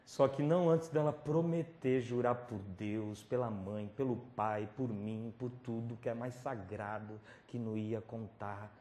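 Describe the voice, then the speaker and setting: A man's voice: lowish voice, fairly even intonation, measured pace, hardly any pauses. Man preaching a dramatic testimony. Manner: dramatic storytelling, swinging from whispers to loud pleading. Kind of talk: testimony sermon. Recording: roomy hall recording with faint noise.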